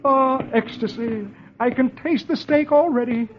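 A man voicing a frantic, starving office worker, squeaky and whiny, on an old radio broadcast. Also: a little slow, highs cut off, loud music behind the voice. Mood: eager.

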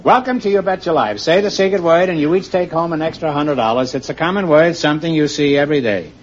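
A man hosting a quiz show, teasing the contestants with wry, deadpan quips, heard on a dull old broadcast recording. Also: a little high, quick pace, slight background noise. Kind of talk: wisecracking quiz host banter.

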